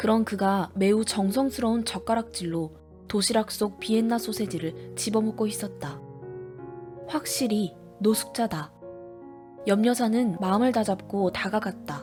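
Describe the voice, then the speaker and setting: A woman speaks with lively intonation and long, frequent pauses. Music plays in the background. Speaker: audiobook narrator. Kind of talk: audiobook novel reading.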